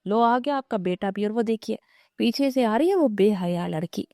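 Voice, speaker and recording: A shrill, gossiping middle-aged auntie, put on by a woman narrator in a storybook reading, crying out in dramatic exclamations. The voice is dark and mellow under the raised pitch, close to the mic in a dry, dead-sounding space. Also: expressive, no room sound, lightly acted. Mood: scandalized.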